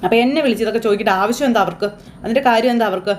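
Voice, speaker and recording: A woman's voice: a little high, very fast, a little hiss or hum, lightly acted. A woman doing a bitter scolded young wife. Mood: indignant.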